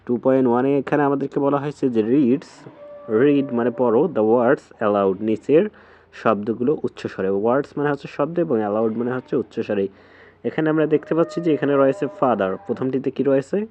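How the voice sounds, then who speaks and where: A man's voice: medium pitch, muffled recording. Patient Bangladeshi man teaching a lesson. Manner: slow, patient, repeats and splits English words into syllables. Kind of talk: textbook lesson explanation.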